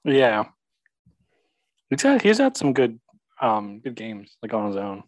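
Playful young man with a lively voice. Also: medium pitch, slow, no room sound. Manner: playful, teasing. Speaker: podcast co-host. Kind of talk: casual chat.

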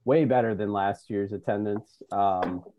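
A man's voice: on the low side, unhurried, lo-fi sound, slight background noise. A man co-hosting a podcast, chatting casually in laid-back sports-fan banter. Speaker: podcast co-host. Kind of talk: casual chat.

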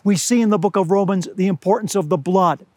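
A high-voiced older man preaches outdoors, his voice a little hoarse and scratchy. He speaks earnestly and deliberately, slowing to press home important words, and the sound is dry and close with little reverb. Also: mellow. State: slightly hoarse. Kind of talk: outdoor sermon. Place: outdoors among pine trees at high altitude.

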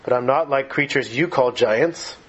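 A man voicing a huge, wise lion while reading a story aloud, speaking slowly and gravely in a measured way. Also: medium pitch, fairly bright tone, muffled recording. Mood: solemn. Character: huge deep-voiced lion, calm, solemn and wise.

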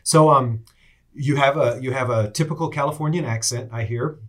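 A man's voice: medium pitch, normal speed. A middle-aged man, an assistant dean, hosting and introducing a guest on a university interview podcast, speaking enthusiastically with frequent fillers.

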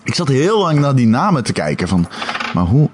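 A man co-hosting a game podcast in casual chat, animated with hesitant restarts and casual swearing. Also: mid-range voice, moderate pace, background noise.

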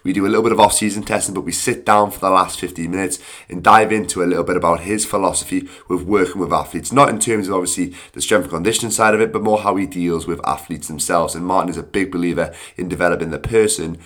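A man with a croaky, hay-fever-hoarse voice and creaky starts, introducing a podcast casually as its host. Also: deep voice, quick pace, hardly any pauses, a bit bright.

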